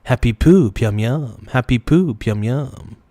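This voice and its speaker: A man hosting a casual livestream reaction, his voice worn hoarse, rambling and loudly thanking donors. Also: mid-range voice, lively intonation, slow pace, dry recording. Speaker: livestream host.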